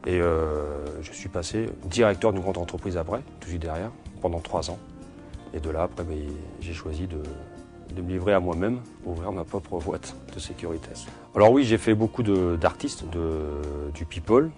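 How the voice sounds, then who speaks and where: A man's voice: low voice, moderate pace, darkish tone, faint music behind. A man in his forties, from Portugal, answering interview questions in a hesitant way, with many fillers and restarts. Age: 40s. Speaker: security company owner.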